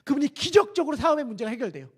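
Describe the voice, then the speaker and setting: A man's voice: very high voice, sing-song, very fast. A man preaching a sermon as pastor in a church, talking conversationally and asking the congregation questions. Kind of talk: expository sermon. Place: church sanctuary.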